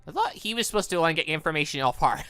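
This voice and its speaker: A man's voice: on the high side, huge pitch swings, fast talker, bright, forceful tone, smooth, no echo. A British man giving casual, rambling let's-play commentary on a visual novel, stumbling over words and correcting himself as he goes. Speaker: gaming video host.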